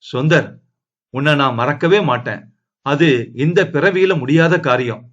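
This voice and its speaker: A man voicing a shy, teasing young woman who talks quickly and playfully. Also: fairly high pitch, a bit bright, highs cut off.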